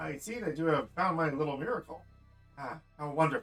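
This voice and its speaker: In a put-on character voice, a man speaks quietly and nasally at a fairly high pitch and a fairly quick pace, with faint music in the background. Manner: self-satisfied, proud.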